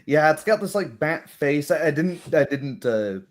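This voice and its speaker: A man talking casually as a game master, explaining in a halting, hesitant way. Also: a little high, expressive.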